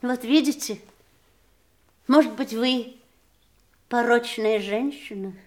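An actress playing a proud, prickly wife in an audio drama, speaking in a pointed, emphatic stage manner. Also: female voice, fairly high pitch, slow pace, darkish tone. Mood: cutting, righteous. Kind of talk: theatrical audio drama acting.

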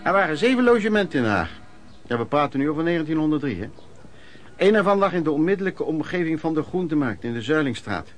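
An embittered working-class man in a radio drama. His voice sits a little high. He tells of his wretched youth in plain, emotional, colloquial speech, often repeating himself. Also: big pitch swings, fast, soft background music. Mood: matter-of-fact. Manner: colloquial, emotional storytelling with repetitions. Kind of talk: Dutch radio play narration, reminiscing monologue.

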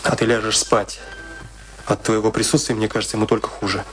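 An actor in a radio play playing a firm, blunt family friend, measured, dry and commanding. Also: male voice, fairly low pitch, flat delivery, loud music behind the voice, close to an everyday voice. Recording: noisy radio play recording with clicks.

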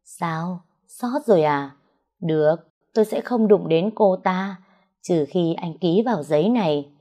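A woman's voice: lowish voice, unhurried, warm tone. A woman voicing a scheming, jealous young woman who taunts and sneers. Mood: taunting.

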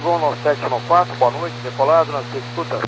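A man's voice: on the high side, brisk, fairly bright tone. A Brazilian man, a pilot, making brief check-ins and readbacks over a crackly, military-style radio. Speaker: airline pilot. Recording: noisy cockpit radio with hum.

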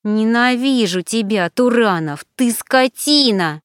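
A woman reader puts on an enraged young woman whose voice climbs high and sharp. She shouts and hisses her accusations in bursts. The read is smooth and close, with no room sound. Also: takes it slowly, no echo. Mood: furious. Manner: shouting, hissing, high-pitched outbursts.

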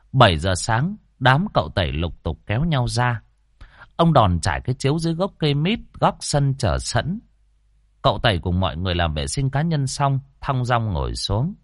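A man narrating a ghost story in an expressive reading. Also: on the low side, no echo, studio quality.

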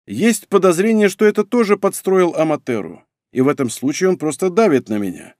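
A man putting on a commanding old emperor, pitched a little high and loud, barking his words. His temper is short and his tone imperious. The sound is dry and close. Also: lively intonation, fairly quick, no echo, natural voice. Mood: scheming. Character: stern imperious aging male emperor, quick-tempered.

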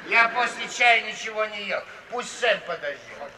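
Irritable, sharp, forceful middle-aged bully. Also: male voice, sits high, expressive, moderate pace, full character voice. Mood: blunt, surly. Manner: blunt, curt, forceful. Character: gruff, irritable middle-aged capitalist, blunt and overbearing. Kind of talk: theatrical radio drama acting. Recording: noisy 1950s recording, distant and echoey hall.

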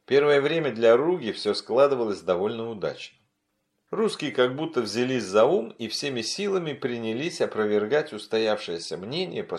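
A man reading an audiobook as its narrator, telling the story in an expressive way. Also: mid-range voice.

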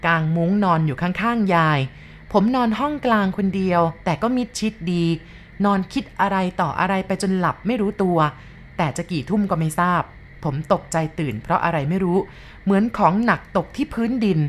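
A woman reading a first-person ghost story aloud in a dramatic, hushed storytelling manner. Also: medium pitch, normal speed, a little hiss or hum.

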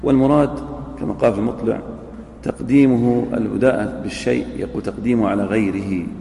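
A teacher of Islamic jurisprudence lectures on a legal text, reading out a line, repeating it, and putting questions to his class. He talks fast in a steady, mid-range voice that sounds gravelly and dark. The large hall gives a long, ringing echo, with faint room noise in the background.

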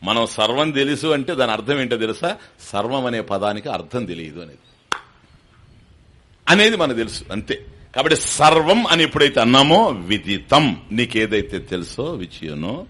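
Animated man giving a spiritual discourse. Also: medium pitch, normal speed. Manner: animated, rhetorical questions, chants Sanskrit verses. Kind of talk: sermon on scripture.

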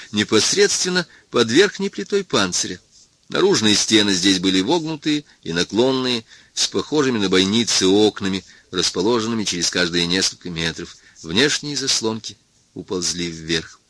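Bright-toned male audiobook narrator. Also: fairly low pitch, lively intonation, normal speed, dry recording. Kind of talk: first-person audiobook narration.

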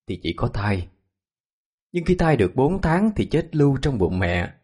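A man narrating a ghost story in a measured, hushed way. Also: on the low side, husky.

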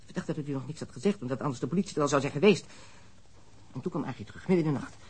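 An actor in a radio drama playing a smuggler who confesses under police questioning, frank and matter-of-fact. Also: male voice, fairly high pitch, rapid-fire, husky. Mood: tense. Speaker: suspect.

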